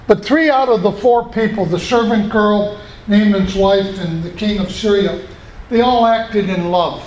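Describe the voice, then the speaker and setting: A man's voice: sits high, measured pace, a little mellow, rough recording. An older man, a pastor telling stories in a sermon with folksy asides to his congregation.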